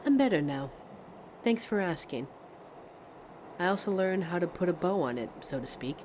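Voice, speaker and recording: A woman's voice: lowish voice, moderate pace, lightly acted. A woman playing a pensive, friendly train passenger in a conversational ASMR roleplay, musing hesitantly as she talks to a stranger. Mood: reflective. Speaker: audio roleplay performer. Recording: steady train ambience noise. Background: train ride sound effects.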